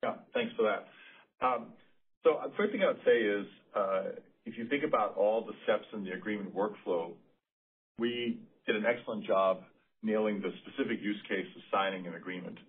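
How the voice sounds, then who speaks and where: A man's voice: fairly low pitch, moderate pace, breathy edge. A man who is a company executive, explaining his answer on an earnings call in considered, unscripted phrases. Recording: narrowband, radio-like phone line.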